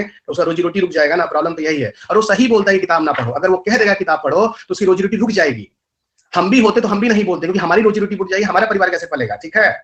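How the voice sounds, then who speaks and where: In a live online exam-prep lecture, a man with a high, somewhat bright voice rattles off rhetorical questions and scolds his students. His accent is rural north Indian Hindi, his speech rapid colloquial Hindi laced with English terms, and the recording has its highs cut off.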